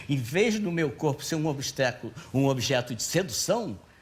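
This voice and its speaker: A man speaks in a somewhat breathy voice. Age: 60s. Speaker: author. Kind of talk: talk show interview.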